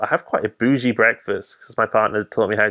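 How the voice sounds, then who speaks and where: Speaking at a medium pitch, a man talks with a Birmingham accent. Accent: Birmingham English (Brummie). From England, Birmingham. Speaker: comic book artist. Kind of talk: casual interview.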